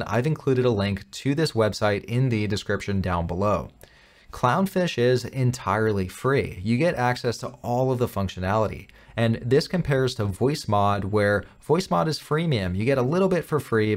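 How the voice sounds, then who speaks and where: Upbeat man narrating a software tutorial. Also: lowish voice. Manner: upbeat, clear instructional delivery. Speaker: tech tutorial host. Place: home office.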